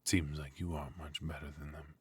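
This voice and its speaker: A man playing a smug, fussy retired supervillain husband in an intimate comedic ASMR roleplay, with a husky, mock-sinister delivery. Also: a bass voice, flat delivery, fairly quick, no room sound, exaggerated voice. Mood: quietly menacing.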